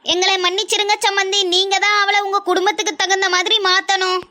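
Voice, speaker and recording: A woman's voice: extremely high pitch, level tone, fairly quick, sharp tone. A woman voicing the polite, pleading mother of the bride in a cartoon. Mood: apologetic. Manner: polite, pleading, apologetic on the phone. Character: apologetic middle-aged mother of the bride. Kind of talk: cartoon voice acting.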